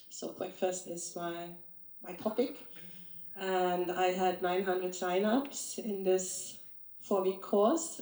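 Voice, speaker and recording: A woman's voice: medium pitch, a little mellow. A woman from Austria speaking earnestly on a live panel, with some non-native slips. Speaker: nutritionist, panelist. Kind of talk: panel talk. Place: live event stage. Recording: echoey event room.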